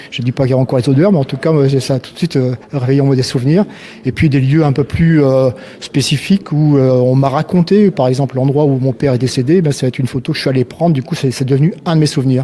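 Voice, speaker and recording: A man at medium pitch talks at a very fast pace with fairly even intonation over noticeable background noise. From northern France, Caudry (Nord). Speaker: photographer. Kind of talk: interview. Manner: halting, many hesitations.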